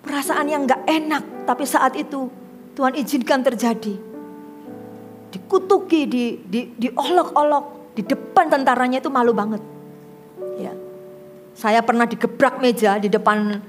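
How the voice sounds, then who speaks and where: A woman's voice: high voice, normal speed, pauses often, faint music behind. A middle-aged woman pastor preaching a sermon, telling stories and acting out the voices of the people in them. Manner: lively storyteller acting out quoted dialogue. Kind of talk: sermon with storytelling.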